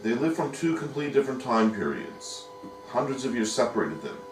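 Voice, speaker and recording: A man's voice: mid-range voice, big pitch swings, a little fast, a little hiss or hum. A man teaching a Talmud study lesson, patiently explaining step by step and posing rhetorical questions. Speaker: yeshiva teacher. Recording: echoey room, mic at a distance.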